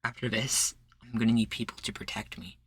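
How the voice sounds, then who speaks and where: A defiant, charismatic male rebel leader, acted by a man for an audio roleplay. His voice is bright and forceful in a very dry space. He speechifies earnestly and persuasively, in folksy phrasing. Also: fairly low pitch, steady tone, brisk, husky, no echo. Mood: urgent, coaxing. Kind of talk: roleplay ASMR acting.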